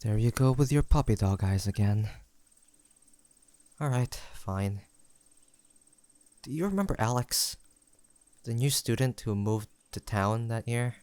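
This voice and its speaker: A man's voice: mid-range voice, clean tone, dry recording, close to an everyday voice. A young man playing a tender, teasing best friend turned lover in an intimate romantic audio roleplay, speaking in a hesitant, conversational way. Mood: sheepish, embarrassed. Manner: conversational, hesitant, halting delivery with sighs and soft chuckles.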